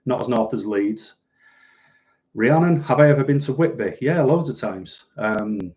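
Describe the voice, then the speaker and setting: A man with a softened Manchester accent hosts a casual livestream. His voice is mellow and relaxed, and his delivery is dry, sardonic and rambling. The audio is a little dull and lo-fi. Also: mid-range voice. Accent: Mancunian, softened northern English. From northern England, Manchester. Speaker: livestream host. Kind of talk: casual livestream chat, reading out and answering viewers' comments.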